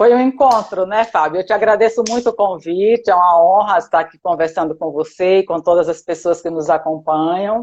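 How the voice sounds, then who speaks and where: A woman in a Bahian accent at a medium pitch, with lively intonation and a moderate pace. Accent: Bahian accent, retained. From Bahia, Brazil. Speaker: psychologist and psychoanalyst. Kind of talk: interview.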